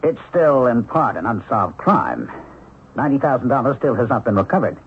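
An actor playing a courteous, quietly persistent police lieutenant in a 1970s radio drama, measured and informal. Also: male voice, mid-range voice, big pitch swings, natural voice. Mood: probing. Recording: tinny old radio recording, faint noise.

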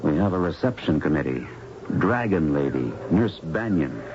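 An actor playing a plucky, chivalrous young intern doctor in a radio drama, with a breezy, plain-spoken manner. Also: male voice, a bass voice, sing-song, moderate pace. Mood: wry. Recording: dull old radio recording, faint noise.

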